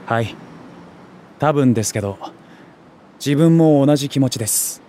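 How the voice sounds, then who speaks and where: An actor playing an excitable young otaku food streamer in an audio drama, talking in geeky slang with exaggerated reactions and junior-style politeness. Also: male voice, medium pitch, moderate pace, slight background noise, close to an everyday voice. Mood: eager. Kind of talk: Japanese audio drama acting.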